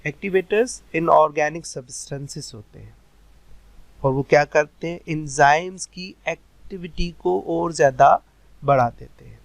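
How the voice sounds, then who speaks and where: A man teaching a biology lecture, mixing Hindi-with slowly read English textbook lines and answering his own questions. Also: fairly high pitch, creaky, no room sound, poor audio. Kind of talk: recorded lecture over animations.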